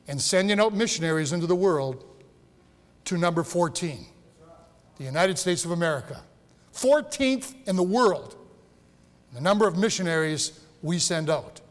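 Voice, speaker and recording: A high-voiced older man preaching in a church, his words trailing off in a long hall reverb. He is a pastor in his sixties, folksy and joking, often stumbling and restarting his sentences. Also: a bit bright. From Michigan. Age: 60s. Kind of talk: sermon. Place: church sanctuary.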